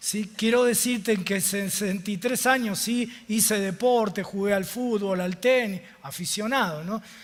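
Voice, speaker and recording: This man has a high pitch, ordinary pitch variation and a fairly slow pace, with audible echo in the room. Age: 60s. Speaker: pastor. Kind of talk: sermon.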